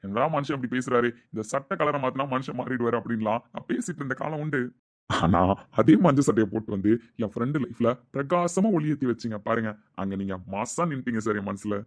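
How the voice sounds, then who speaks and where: A man's voice: mid-range voice, fast. A man speaking dramatic dialogue in an earnest, tender way. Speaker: actor in a family drama.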